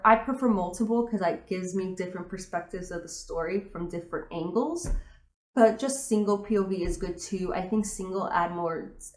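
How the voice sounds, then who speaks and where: A woman's voice: lowish voice, echoey room. A young woman, a teacher, chatting casually through a book tag with lots of fillers and emphatic opinions.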